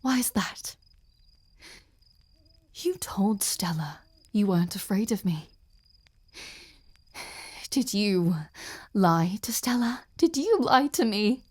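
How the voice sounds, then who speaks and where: Slow, intense, possessive ice queen, played by a woman. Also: mid-range voice, animated, a little mellow. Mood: cold, menacing. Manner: halting, slow, intense, often dropping to a breathy whisper. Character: obsessed, cruel yandere ice queen general, wounded and possessive. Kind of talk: dramatic audio roleplay addressed to the listener.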